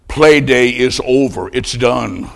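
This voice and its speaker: A man's voice: medium pitch, slow pace, gravelly, voice pushed down. A man voicing a hospital pastor who speaks bluntly and earnestly to a dying man. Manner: earnest, direct. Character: plainspoken hospital pastor, blunt but caring. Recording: long hall reverb.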